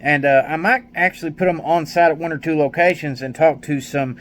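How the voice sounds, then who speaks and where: A man's voice: a little high, fairly quick. A man giving a casual, rambling product review in a folksy, colloquial way. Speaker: product reviewer, maintenance mechanic. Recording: steady clear background noise.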